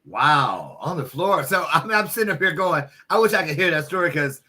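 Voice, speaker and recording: A man's voice: a little high, big pitch swings, normal speed, sharp tone. A man hosting a casual, chatty online interview in a folksy, playful manner. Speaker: host of an online interview show.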